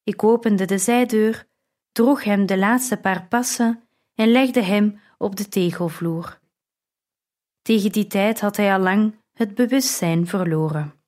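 A woman reading a first-person audiobook in a measured, earnest way. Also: medium pitch, a little mellow. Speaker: narrator.

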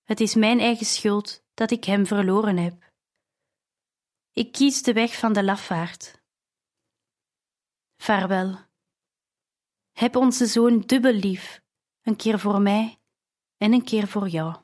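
A woman reading a despairing mother's farewell letter in an audiobook, soft and sorrowful. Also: mid-range voice, slow, long pauses, lightly acted.

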